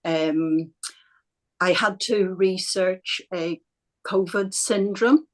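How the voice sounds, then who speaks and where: A woman's voice: on the low side, drawn-out words. A woman speaking as a guest on an online panel, giving hesitant, thoughtful answers over a video call.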